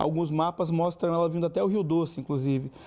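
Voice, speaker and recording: A man's high-pitched, dark and mellow voice, fairly quick, with fairly even intonation. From northern Espírito Santo, Brazil (Pedro Canário); Espírito Santo, Brazil. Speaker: writer and book editor; interviewee. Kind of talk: interview. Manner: halting, many repetitions. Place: hall. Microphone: lapel.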